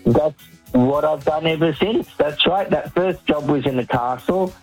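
A man's voice: a little high, unhurried, slightly rough, faint music behind, poor audio. A man who grew up in Australia calls a radio show and tells his life story in a chatty, anecdotal way with frequent ums and restarts. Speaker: caller, professional storyteller.

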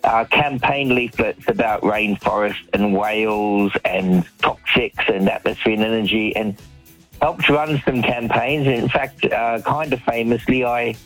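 A man's voice: mid-range voice, unhurried, fairly bright tone, faint music behind, rough recording. A man who grew up in Australia calls a radio show and tells his life story in a chatty, anecdotal way with frequent ums and restarts. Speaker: caller, professional storyteller.

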